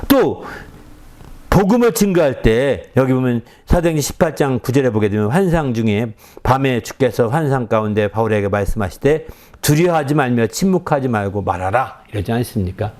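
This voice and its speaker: In an animated, medium-pitched voice, a pastor delivers his sermon, tossing quick questions at the congregation and swinging from quiet asides to loud exclamations.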